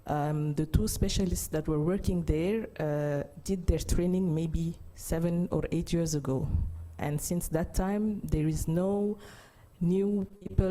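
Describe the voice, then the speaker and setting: A woman around thirty with a Senegalese accent shaped by native French, speaking in a low-pitched, soft-toned mellow voice. She delivers a testimony to a conference and feels her way through her phrasing. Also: rough recording. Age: 30s. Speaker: pediatric oncologist giving a testimony.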